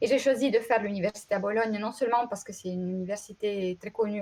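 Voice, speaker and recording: Speaking in an Italian accent, a woman has a somewhat breathy, dark, mellow tone at a fairly high pitch with ordinary pitch variation. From Italy, Sanremo (Liguria). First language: Italian (speaking French). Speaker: astronomer. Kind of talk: interview.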